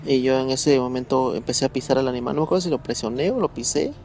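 Gravelly man recounting a story. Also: mid-range voice, darkish tone, a little hiss or hum. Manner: halting, repeats words while recalling. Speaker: guest storyteller. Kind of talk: casual spoken storytelling.

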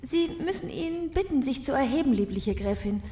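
A woman playing a polite, patient lady-in-waiting in an audio drama, gently correcting and explaining. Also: high-pitched, lively intonation, normal speed, reverberant. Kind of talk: German audio drama acting.

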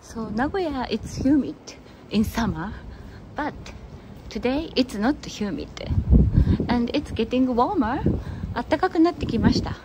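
Slow-talking Japanese woman streaming outdoors. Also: a little high, expressive. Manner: mixes English and Japanese, reads viewer chat. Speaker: live-stream walking host. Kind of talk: casual live-stream chat. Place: city streets outdoors, windy. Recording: loud wind and street noise.

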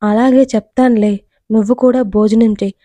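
A woman's voice: fairly high pitch, steady tone, normal speed, mellow, no echo, lightly acted. A woman voicing a kind elderly grandmother who reassures her granddaughter in a storybook reading. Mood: caring. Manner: caring, reassuring.

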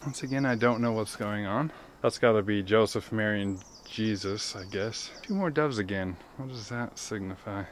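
Excited guy in his 30s wandering old ruins, lapel mic outside, faint hiss behind. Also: on the low side, normal speed. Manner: excited, chatty, wondering aloud. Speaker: travel vlogger. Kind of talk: casual walking commentary. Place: outdoors in overgrown grounds of a ruined palace.

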